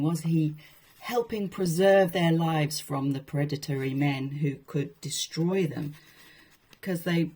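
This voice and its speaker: A woman's voice: low-pitched, warm tone, slightly rough. A woman speaking informally as she presents and reads from old texts, in a conversational, wryly amused manner. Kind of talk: informal talk with read-aloud passages from a historical book.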